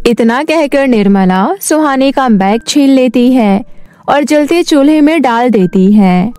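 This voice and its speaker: A woman narrating a scripted animated moral story as its storyteller. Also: high-pitched, unhurried, soft background music.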